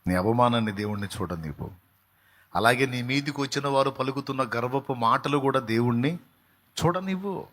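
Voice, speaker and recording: Man, pastor, fervent sermon, quiet then loud, mid-pitched voice. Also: expressive, moderate pace.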